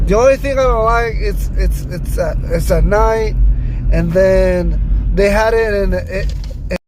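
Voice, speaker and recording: A man talking casually as a solo vlog host, rambling and repeating words as he doubles back, recorded in a car. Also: high-pitched. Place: inside a car while driving on city streets at night. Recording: clear car and street noise. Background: car and traffic noise.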